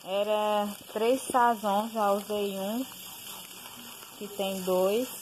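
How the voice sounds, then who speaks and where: A woman speaks slowly and plainly, counting off her groceries one by one in a casual home vlog. Her voice sits at an ordinary pitch. A noisy kitchen, with a pressure cooker hissing, is heard behind her. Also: flat delivery. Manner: slow, plain listing with fillers. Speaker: home cooking and grocery vlogger. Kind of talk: casual voice-over listing groceries.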